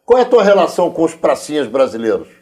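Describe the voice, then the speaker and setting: A man's voice: a little high, sing-song, fast, dark tone. A man with a Brazilian accent, hosting a television interview in a conversational style.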